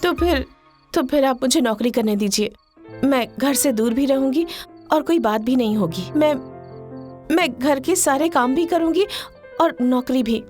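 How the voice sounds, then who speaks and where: A woman's voice: sits high, a little slow. An actress playing a defiant young daughter-in-law who talks back to her mother-in-law in a comic film scene. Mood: pleading. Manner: sharp-tongued, talking back. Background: soft background music.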